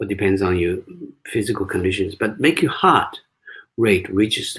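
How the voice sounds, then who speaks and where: His pitch is fairly low. The man keeps a moderate pace. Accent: Chinese. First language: Chinese. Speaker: qigong master and teacher. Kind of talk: Q&A in online class. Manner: halting.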